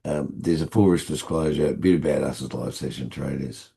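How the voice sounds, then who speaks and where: An Australian man with a hoarse, croaky voice, hosting a live trading session in a relaxed, rambling way. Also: extremely low pitch, brisk. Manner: relaxed, rambling with many fillers. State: hoarse after being ill. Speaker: forex trading host.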